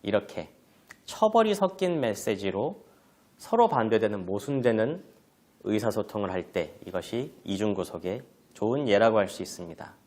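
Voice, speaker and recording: A man giving an online lecture to parents on family communication, explaining terms and acting out examples. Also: moderate pace. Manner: explanatory, with lively pitch swings and acted examples.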